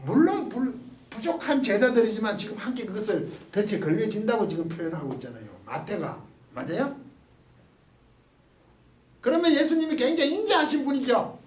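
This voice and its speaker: Animated man lecturing in a roomy hall. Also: sits high, a little fast, a little hiss or hum. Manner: animated, asks the class questions, acts out quotes. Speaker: Bible lecturer. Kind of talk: lively Bible study lecture. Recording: roomy, mic at a distance.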